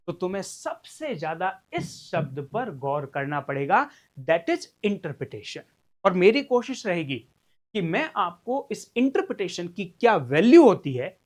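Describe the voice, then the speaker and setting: A male law teacher lecturing at an unhurried pace, his pitch rising and falling in a lively way. He keeps the tone conversational, poses rhetorical questions to the class, and slips English legal terms into his explanations. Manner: mixes English legal terms into Hindi speech. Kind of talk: recorded exam-prep lecture.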